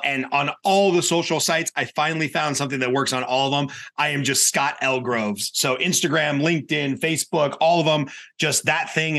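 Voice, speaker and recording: A man's voice: mid-range voice, bright, forceful tone. A man speaking as a guest coach on a podcast, giving candid, colloquial advice with emphatic repetition. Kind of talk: podcast interview, conversational advice.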